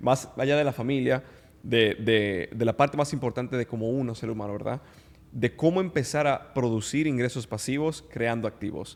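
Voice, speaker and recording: An ordinary speaking voice from a man at a medium pitch, with ordinary pitch variation and a moderate pace. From Dominican Republic. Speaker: podcast host. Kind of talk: podcast interview.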